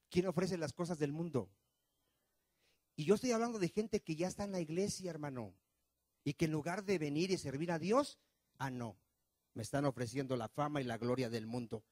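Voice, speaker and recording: Questioning pastor with a high voice. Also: male voice, no room sound. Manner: asks the congregation rapid questions, swings loud and soft. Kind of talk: sermon. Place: church.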